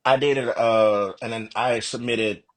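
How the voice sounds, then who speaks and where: Mid-pitched man chatting as an interview guest. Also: fairly even intonation, unhurried. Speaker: podcast guest, fiction author. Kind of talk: casual conversational interview.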